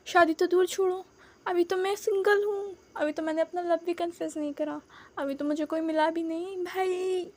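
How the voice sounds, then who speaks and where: A woman's voice: steady tone, normal speed. A woman voicing a cheeky young male student, panicky and pleading. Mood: panicked. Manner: panicky, shrill wailing.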